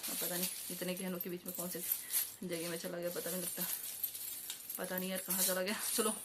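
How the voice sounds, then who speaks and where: Chatty young woman, noisy home vlog. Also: mid-range voice. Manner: chatty, hesitant with many fillers and self-corrections. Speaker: vlogger. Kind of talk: casual show-and-tell vlog. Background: jingling jewellery and bells.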